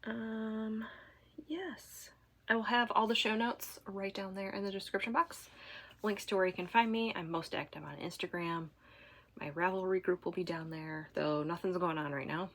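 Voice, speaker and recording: A woman from Michigan hosting a knitting podcast, chatting casually to camera at home while congested, rambling with fillers and soft asides. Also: mid-range voice, steady tone, normal speed. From Michigan, USA.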